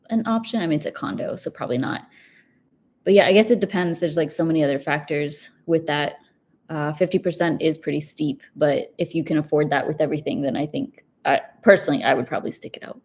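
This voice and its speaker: A young woman with a low, slightly mellow voice hosts a personal finance livestream. She answers viewer questions in a casual live chat, chatty and upbeat, saying "like" a lot and laughing easily.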